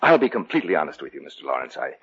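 An actor playing a nervous, guilt-haunted young man in an old-time radio drama, hesitant and pleading, breaking into frantic shouts. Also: very deep voice, sing-song, rapid-fire, slightly rough, heavily acted. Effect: old-time radio drama broadcast. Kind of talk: 1940s radio acting. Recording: dull lo-fi old radio recording with music.

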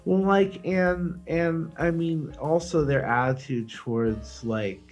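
A man's voice: on the high side, fairly even intonation, slow, a little mellow, faint music behind. A middle-aged man co-hosting a comedy podcast, rambling in casual chat with many fillers and restarts. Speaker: podcast co-host.

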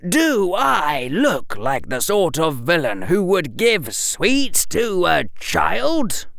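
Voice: mid-range voice, unhurried, gravelly, no room sound, clean studio sound, pitched above the performer's own voice. A reader doing a smug, theatrical young boy wizard. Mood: mock-offended. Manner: lecturing, mock-villainous, deadpan. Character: clever theatrical eleven-year-old boy wizard. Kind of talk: audiobook reading.

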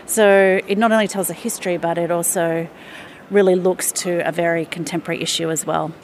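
A woman with a lowish voice talks steadily and warmly about her work as a museum chief executive, pausing with small fillers. A faint hiss sits under the recording. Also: steady tone, poor audio. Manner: measured, enthusiastic, with fillers. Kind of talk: radio interview answers.

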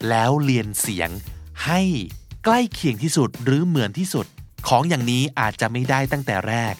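A man with a Thai accent, hosting a pronunciation lesson and spelling English words out letter by letter. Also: medium pitch.

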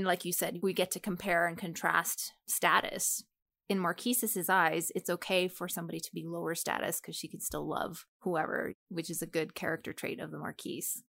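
A woman co-hosting a casual book discussion, giving analytical, animated opinions. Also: fairly low pitch, vocal fry, dry recording. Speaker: podcast co-host.

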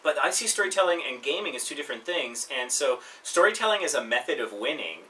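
Podcast host, male, bright voice, recorded on a poor backup mic from a distance with faint hiss. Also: sing-song, fast talker. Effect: low-quality backup mic recording. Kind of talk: casual podcast chat.

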